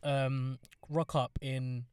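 A man's voice: mid-range voice, level tone, extremely slow, a little mellow, smooth, no echo. A young man, joking around as a podcast co-host in casual chat. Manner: playful, joking, slangy.

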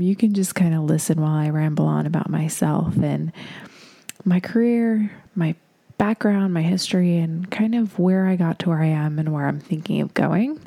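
Young woman hosting her podcast, kinda gravelly and mellow, chatty, russian first language. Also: low-pitched. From Moldova. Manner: chatty and rambling, with frequent likes and you-knows. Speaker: podcast host, makeup artist. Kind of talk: casual solo podcast monologue.

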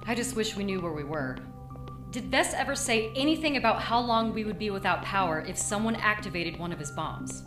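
A woman voicing a fretful woman lost in dark hallways, voicing her fears aloud in an audio drama. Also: medium pitch, expressive, fairly quick, lightly acted. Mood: anxious. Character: anxious, worried woman lost in dark halls. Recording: echoey room with music behind.

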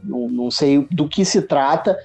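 A man from Rio de Janeiro, Brazil, with a Carioca accent chats casually as a podcast guest in informal Rio street slang, his voice fairly high and darkish with vocal fry at a normal pace. He's recorded on a mobile phone, and the audio is muffled with music playing behind him.

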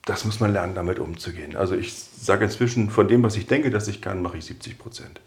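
Low, gravelly-voiced man explaining casually. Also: quick pace. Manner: explains in a relaxed way, with colleague anecdotes. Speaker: podcast expert on personality development. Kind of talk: conversational explanation.

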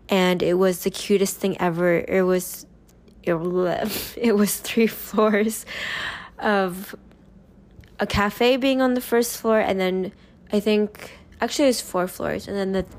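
A woman's voice: medium pitch, darkish tone. A young woman hosting a casual solo podcast, chatting in an upbeat, rambling way while still getting over a cold. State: recovering from a cold. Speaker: podcast host.

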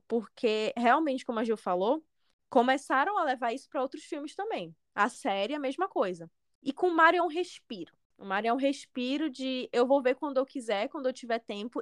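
High-voiced woman, dry sound. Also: no room sound. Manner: relaxed, conversational, laughs easily. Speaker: podcast co-host. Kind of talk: casual podcast chat.

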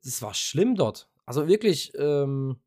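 A man's voice: mid-range voice, very animated, takes it slowly, a little mellow, no room sound, studio quality. A young man co-hosting a podcast, telling a long casual story with lots of fillers and offhand swearing. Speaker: podcast co-host. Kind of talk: casual chat.

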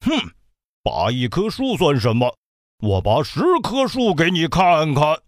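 A man's voice: sits high, big pitch swings, measured pace, dry recording, studio quality, voice pushed up. A man voicing a big, dim, boastful male black bear in a children's storybook, talking in a blustery bragging way.

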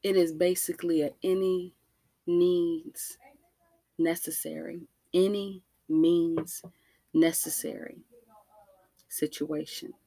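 A woman with an African American accent delivering an impassioned monologue, emphatic and deliberate, with rhetorical questions and repetition. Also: lowish voice, flat delivery, vocal fry, warm tone, dry recording, low-quality recording. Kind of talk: impassioned spoken monologue to listeners.

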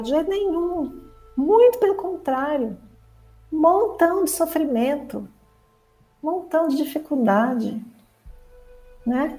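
A woman gives a lively spiritual talk to her viewers. Her voice sits high but has a warm, mellow tone, and she acts out the chatter of the mind with expressive swings. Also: rough recording. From Brazil. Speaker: spiritual teacher and therapist.

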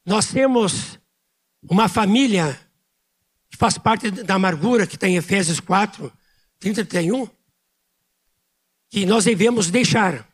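A man preaching a sermon as pastor, speaking loudly with pauses and emphatic repetition. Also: high voice, husky. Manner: speaks loudly by his own account.

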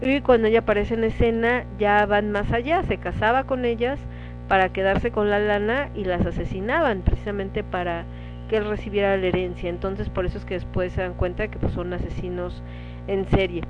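A woman's voice: medium pitch, steady tone, moderate pace. A woman with a Mexican Spanish accent hosting a casual talk show, chatting with listeners and reading out their comments. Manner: conversational, reads listener comments aloud. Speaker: radio show host. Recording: dull lo-fi sound with faint music.

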